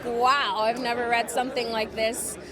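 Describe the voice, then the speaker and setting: A woman's voice: on the high side, flat delivery, normal speed. A woman, an actress, chatting casually in an interview. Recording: very loud crowd behind.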